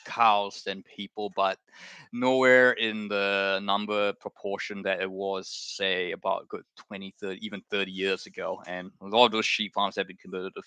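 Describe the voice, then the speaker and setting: Bright, clear-voiced rambling male streamer. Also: low voice, little pitch movement, moderate pace, dry recording. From Malaysia. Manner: chatty, rambling, self-correcting. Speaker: live-stream host. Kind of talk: casual watchalong chat.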